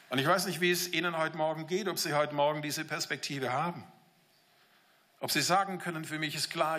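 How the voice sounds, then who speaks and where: A man delivers a sermon in a bright, clear voice that sits somewhat high for a man. He talks directly and conversationally to the congregation. At times he acts out the characters' words in paraphrase. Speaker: preacher.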